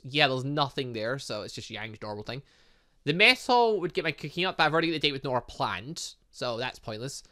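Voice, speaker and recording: A man casually playing through a story game, reading out its text and thinking aloud. His voice swings widely in pitch. The tone is bright, and he drops in playful little sound effects. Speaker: gaming YouTuber.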